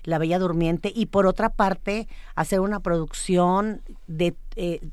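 A woman interviewing a guest, speaking haltingly and with enthusiasm. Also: on the low side, fairly even intonation, a little mellow, clear, resonant tone, no room sound. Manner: halting, many fillers and restarts, enthusiastic. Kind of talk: interview, hesitant chat.

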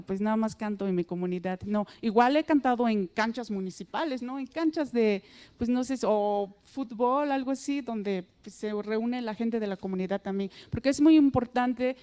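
A Mexican woman whose first language is Mixtec, a singer answering interview questions softly and hesitantly with many fillers. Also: on the high side, clear, resonant tone. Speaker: singer guest. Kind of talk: interview answers and folk singing.

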